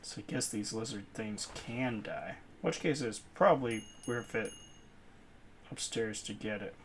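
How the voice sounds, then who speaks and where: A man's voice: fairly low pitch, a little slow, slight background noise. A young man from New England giving rambling, casual commentary while playing a video game, laughing easily as he talks. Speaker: gaming channel host. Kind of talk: casual let's-play commentary.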